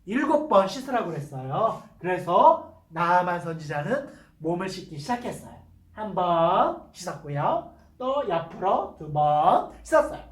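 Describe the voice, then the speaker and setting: A preacher telling a Bible story to young children in church, exclaiming and asking the kids questions along the way. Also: mid-range voice. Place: church worship room. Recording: roomy hall, voice from a distance.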